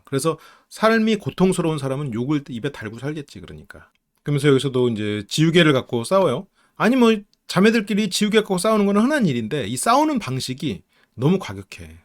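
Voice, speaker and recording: A man giving casual commentary on a reality show from a counseling view, acting out the family's quoted lines as he goes. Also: on the high side. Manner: animated, acts out quoted lines of family members. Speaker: counseling psychology YouTuber. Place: home studio, live stream.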